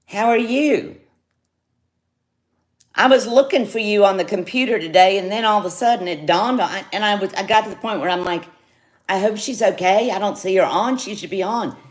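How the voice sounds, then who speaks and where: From an indoor home studio, a woman with a medium-pitched voice chats casually at a moderate pace on a jewelry livestream. She greets viewers by name as part of her relaxed live sales talk.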